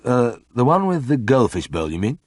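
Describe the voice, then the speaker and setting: A man's voice: medium pitch, sing-song, darkish tone, dry recording, voice pushed up. A man doing a tipsy, careful young gent. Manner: slow, carefully articulated. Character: tipsy, dignified young vet, lovestruck.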